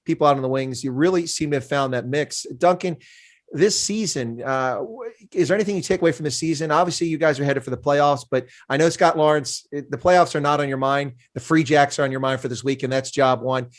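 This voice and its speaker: A man's voice: on the high side, brisk. A middle-aged man hosting a casual sports interview, asking long, rambling questions. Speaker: interview host.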